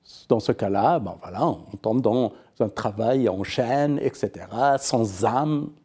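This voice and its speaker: A man talks very slowly in a dark, mellow tone with lively intonation. The background is quiet. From Afghanistan. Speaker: novelist and filmmaker; interviewee. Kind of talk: interview. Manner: halting with frequent repetitions. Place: studio. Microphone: lapel.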